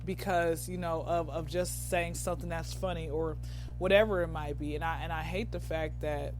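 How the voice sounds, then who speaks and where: A woman in her thirties, a comedian guesting on a casual podcast interview, rambles loosely as she thinks aloud and loses her train of thought. Her voice is low-pitched and a little mellow, with fairly even intonation at a moderate pace. Faint music plays behind her.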